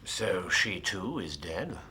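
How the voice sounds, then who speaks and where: A man playing a brisk Victorian gentleman detective. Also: low voice, big pitch swings, a little hiss or hum, full character voice, rough recording. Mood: courteous. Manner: polite and precise, with small hesitant fillers. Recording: clinking cups and dishes behind. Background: cutlery and dishes clinking.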